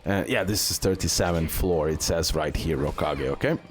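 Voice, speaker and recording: Low-voiced man commentating gameplay. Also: moderate pace, faint music behind. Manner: repeats words and phrases. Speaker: gaming video creator.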